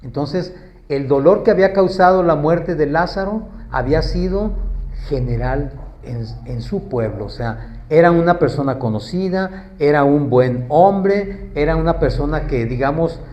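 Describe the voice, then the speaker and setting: A man's voice: fairly high pitch, a little slow, lo-fi sound. A man preaching a sermon in a conversational way, asking the congregation questions and acting out quoted pleas.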